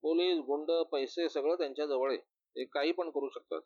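A man's voice: fairly high pitch, a little fast, darkish tone, no room sound, highs cut off, lightly acted. A man doing an anxious jailed bodyguard. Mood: worried. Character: adult male jailed bodyguard, worried and cautious.

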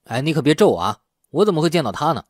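A man's voice: fairly high pitch, sing-song, rapid-fire, dry recording. A man voicing a brash young man in an audiobook, indignant, sarcastic and argumentative. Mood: wary. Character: brash, defiant young man sparring with police officers. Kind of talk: audiobook character acting.

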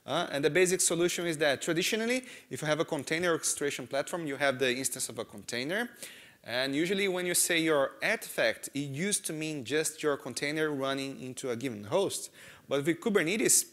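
A man in his thirties with a Brazilian Portuguese accent, speaking English as a second language. His voice sits slightly high. He runs a conference breakout talk on stage through a close mic, animated and full of "uh" and "right?". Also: a little fast. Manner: animated, gestures a lot, frequent "right?" and "uh" fillers. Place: large conference hall stage.

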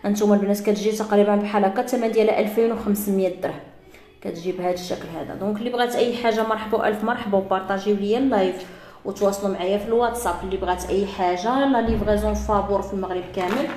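A woman with a Moroccan Arabic accent, chatting through a live sales pitch for jewelry to her female viewers. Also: steady tone, rapid-fire, darkish tone, echoey room. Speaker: jewelry seller.

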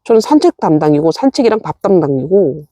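Talking to her succulents while caring for them at her rural home, a middle-aged vlogger scolds herself in a casual chat. Her low, mellow voice swings widely in pitch and moves quickly. The recording is dry and of studio quality.

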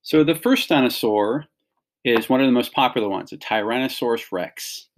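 At normal speed and in a mid-range voice, a middle-aged male teacher reads a picture book to children, explaining things and pointing them out in simple phrases as an instructional read-along.

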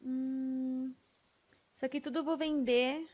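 A woman's voice: on the high side, normal speed, a little hiss or hum. A woman with a Brazilian Portuguese accent, chatting to herself while playing a farming game. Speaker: streamer. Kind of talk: gameplay commentary.

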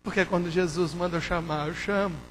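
A hoarse male pastor preaching a sermon, moving from quiet, intimate talk to fervent shouting. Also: sits high, fairly even intonation, fairly quick, slight background noise.

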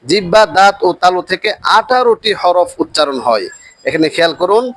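A man teaching a Quran course, going through the Arabic letters slowly and patiently, repeating points and drawing each letter name out long. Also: high-pitched, animated, dry recording. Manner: stretches letter names long and loud.

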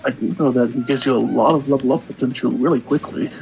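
A man's voice: mid-range voice, steady tone, quick pace, vocal fry, a little mellow, faint music behind, rough recording. A man chatting casually over voice chat with a streamer, making offhand remarks.

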